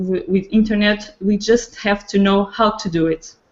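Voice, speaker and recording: A woman with a non-native accent speaks at a moderate pace and a medium pitch. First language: not English. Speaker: online entrepreneur. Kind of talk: casual chat. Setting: video call. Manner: halting.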